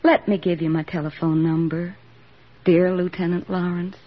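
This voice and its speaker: A woman's voice: on the low side, level tone, normal speed, close to an everyday voice. A woman playing an earnest young army nurse in a 1940s radio drama, speaking with heartfelt sincerity. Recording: dull old radio broadcast recording.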